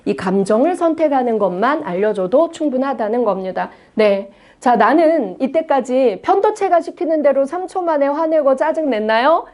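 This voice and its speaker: A woman's voice: normal speed, few pauses. A middle-aged woman from South Korea, a psychology lecturer giving a talk on emotion coaching, speaking straight to her audience and acting out what a parent might say. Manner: addresses the audience directly with frequent "네" and questions; acts out parent lines in a lively higher voice.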